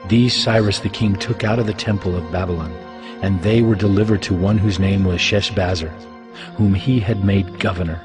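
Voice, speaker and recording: A man's voice: low voice, fairly even intonation, normal speed, close to an everyday voice. A man playing a solemn Jewish elder, a servant of God, declaring his people's history in a dramatized Bible reading. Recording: music bed under the voice.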